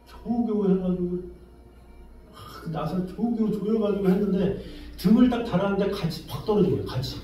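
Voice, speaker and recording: Male pastor telling a story in his sermon, lots of exclaiming, mellow tone, booming echoey room, mic kinda far. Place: church sanctuary.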